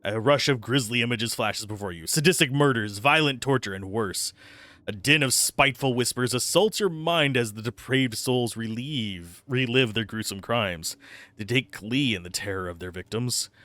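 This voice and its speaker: A man's voice: medium pitch, normal speed, bright, forceful tone, no echo. A man streaming a game, giving live commentary and reading game text aloud into a close microphone. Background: faint game music.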